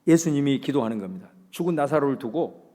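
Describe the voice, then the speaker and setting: A male pastor delivering a dramatic sermon, swinging between loud proclamation and hushed, quiet speech. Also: fairly high pitch, sing-song, moderate pace, in a large hall.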